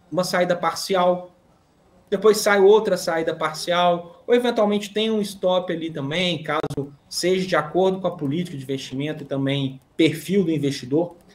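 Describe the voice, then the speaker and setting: A man with a high pitch talks at a moderate pace. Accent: Minas Gerais. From Brazil, Belo Horizonte (Minas Gerais). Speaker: investment advisor. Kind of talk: interview.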